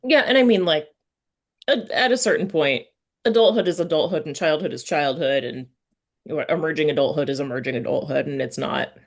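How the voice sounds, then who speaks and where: A woman's voice: low voice, brisk. A woman interviewer chatting casually and informally as she puts questions to her guest. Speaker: interviewer, host.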